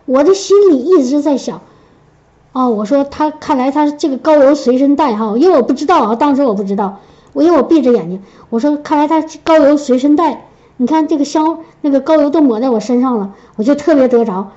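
A woman's voice: high-pitched, a little fast, warm tone. A middle-aged woman telling a personal church testimony in a chatty way, with many restarts. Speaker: church member giving testimony. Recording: dull lo-fi recording.

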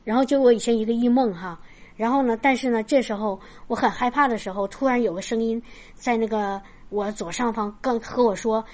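A woman sharing a personal Christian testimony in casual storytelling, animated, with frequent restarts and bits of quoted dialogue. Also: a little high, fairly quick. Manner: lively retelling with restarts and laughs.

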